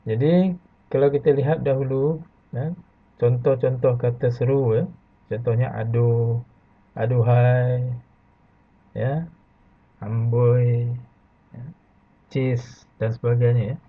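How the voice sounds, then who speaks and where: Slow husky Malaysian man teaching. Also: mid-range voice, steady tone. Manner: slow, patient, adds "ya" after nearly every phrase. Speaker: primary school teacher. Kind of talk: online lesson for young pupils. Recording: phone-like lo-fi audio.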